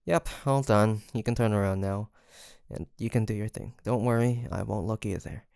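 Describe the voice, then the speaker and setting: A man playing a guarded young demon hunter in an intimate audio roleplay, hesitant and confiding, with a softer side showing through. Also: lowish voice, steady tone, moderate pace, gravelly, smooth, dry recording, clean studio sound. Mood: flustered, curt.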